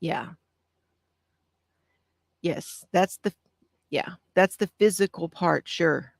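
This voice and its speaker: A woman with a soft, calming voice talks gently through breathing exercises on a live stream. Her tone has a slight gravelly edge, and the sound is dry and close. She pauses often and answers viewers as she reads along. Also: lowish voice, dry recording. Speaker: craft channel host.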